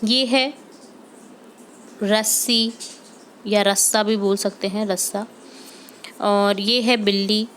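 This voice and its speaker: A woman's voice: medium pitch, fairly even intonation, takes it slowly, long pauses, a bit bright, slight background noise. A woman teacher going through a homework lesson for young pupils, patiently repeating example words and checking in with the class.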